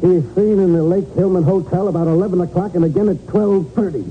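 An actor playing an earnest, dogged American police sergeant, emphatic and urgent, in 1940s radio crime drama style. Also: male voice, high-pitched, steady tone, fast talker, natural voice. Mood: insistent. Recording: narrow-band 1940s radio with faint noise.

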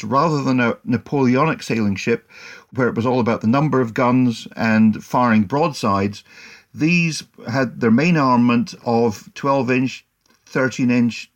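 A man speaking as a historian guest on a podcast, giving measured, explanatory answers. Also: mid-range voice.

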